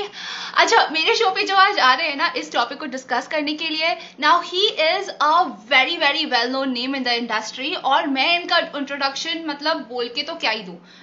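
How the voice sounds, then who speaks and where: A high-pitched woman talks at a moderate pace with lively intonation and hardly any pauses, over noticeable background noise. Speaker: talk show host. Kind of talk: interview host, conversational Hindi-English.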